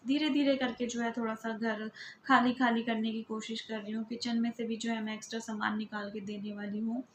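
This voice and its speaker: A woman's voice: on the high side, a little hiss or hum. A woman in her thirties, a mother and vlogger, narrating her home vlog as a voice-over in a chatty, conversational way, often tagging her sentences with little questions to the viewer.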